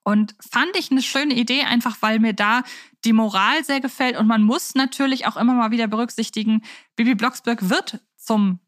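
A woman with a slightly high voice hosts a fan podcast. She talks in a chatty, enthusiastic, informal way. The sound is very dry, with no room around it. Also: moderate pace, a bit bright, no echo. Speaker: podcast host. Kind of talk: casual fan podcast discussion.

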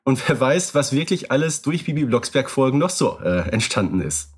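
A man co-hosting a podcast, talking in a relaxed way and thinking aloud with fillers. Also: mid-range voice, normal speed, slightly rough. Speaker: podcast co-host. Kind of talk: casual podcast discussion.

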